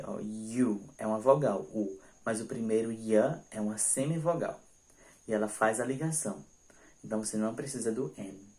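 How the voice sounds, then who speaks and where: A man whose first language is Portuguese teaching an English grammar lesson, explaining patiently and repeating examples slowly. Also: medium pitch, dark tone. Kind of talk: online grammar lesson with slides.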